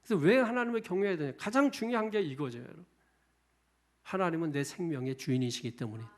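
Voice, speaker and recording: A middle-aged male pastor preaching a sermon, emphatic, firing off repeated rhetorical questions with loud stresses on key words. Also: a little high, expressive, fast talker. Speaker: senior pastor.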